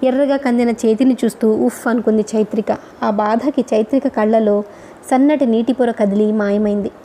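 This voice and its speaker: A woman with a Telugu accent narrating a novel in an even, measured storytelling manner. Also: on the high side, a little hiss or hum. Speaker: audiobook narrator.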